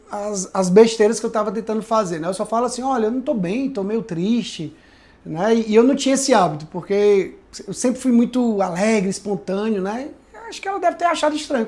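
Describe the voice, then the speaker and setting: A man's voice: high voice, darkish tone. Earnest man telling his testimony. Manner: earnest, reflective storytelling with frequent tag questions. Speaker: pastor and podcast guest. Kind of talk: personal testimony in a conversation.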